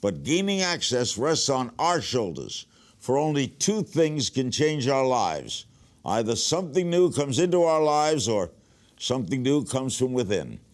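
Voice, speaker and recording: A man's voice: medium pitch, sing-song, a little slow. A man reading a scripted motivational text in an earnest, exhorting manner.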